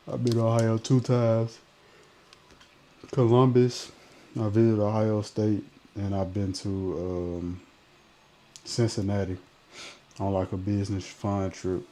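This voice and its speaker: A man's voice: on the low side, little pitch movement, slow pace, pauses often, dark tone, a little hiss or hum. A man in his twenties with a Memphis accent, chatting casually on a live stream, reading viewer comments in a laid-back, slangy way. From Memphis, Tennessee. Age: 20s. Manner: laid-back slang, trailing off mid-sentence.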